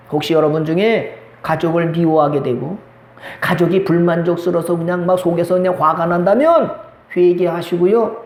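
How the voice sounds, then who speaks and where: High-voiced pastor preaching, echoey church. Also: male voice, a little mellow. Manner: asks the congregation questions and acts out little dialogues. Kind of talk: sermon. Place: church sanctuary.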